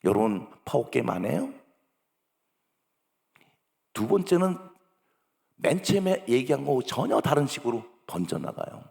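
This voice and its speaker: A male pastor preaching, acting out parents and children in lively bursts. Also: moderate pace, creaky, long pauses. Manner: acts out parent and child dialogue with sudden high-pitched bursts. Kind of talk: sermon. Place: church sanctuary. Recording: long church hall reverb.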